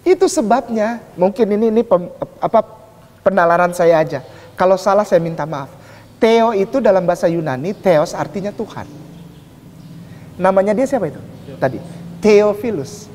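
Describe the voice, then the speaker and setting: Male preacher in a debate: animated, emphatic, lots of rhetorical questions, echoey hall. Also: high voice, moderate pace, long pauses. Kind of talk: public lecture.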